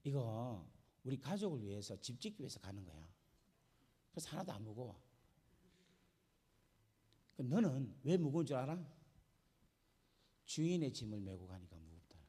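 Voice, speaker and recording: A man voicing a patient little ant that calmly explains it carries its load for its family, in a storytelling sermon. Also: moderate pace, pauses often, slightly rough. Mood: serene. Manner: low, quiet, calmly explaining. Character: calm hardworking little ant carrying for family. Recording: long church reverb.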